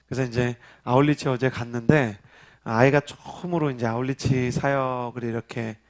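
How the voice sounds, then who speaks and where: A man's voice: mid-range voice, fairly even intonation, normal speed. A man in his thirties preaching a youth sermon, telling personal stories in a chatty way and leading the congregation in call-and-response. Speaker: youth pastor. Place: church worship service.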